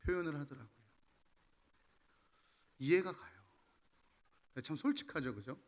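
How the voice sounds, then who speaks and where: A man's voice: a little high, animated, unhurried. A man, a pastor, preaching a sermon in a conversational style that rises to emphatic exhortation.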